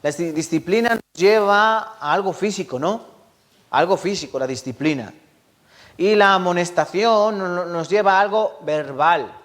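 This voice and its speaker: A man's voice: high-pitched, moderate pace, fairly bright tone. A man preaching a sermon as pastor, often asking the congregation questions. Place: church.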